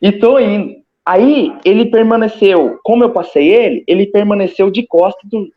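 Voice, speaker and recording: An interview guest with a Brazilian Portuguese accent recounts his own near-death experience as a casual testimony, hesitating, repeating words, and acting out gestures. His voice sits high at a moderate pace, and the lo-fi audio is slightly muffled.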